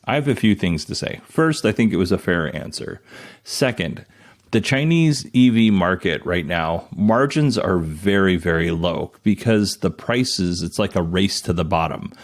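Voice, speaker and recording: A man's voice: low-pitched, lively intonation, a little slow. A man hosting a show, giving casual commentary and explaining things in plain, informal paraphrase. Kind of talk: casual commentary on an earnings call.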